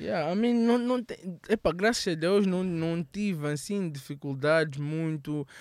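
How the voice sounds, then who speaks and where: On a very clean recording with a silent background, a man with a high pitch speaks fairly slowly and with lively intonation. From Mozambique. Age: young. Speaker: videographer and photographer. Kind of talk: casual interview. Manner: code-switching between Portuguese and English.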